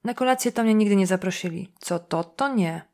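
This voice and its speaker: A needling small-town man who drawls his jokes and keeps repeating them, played by a woman. He talks loudly, pitched up, with a gloating edge. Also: brisk. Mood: taunting. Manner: drawling, taunting, repeats himself with laughs.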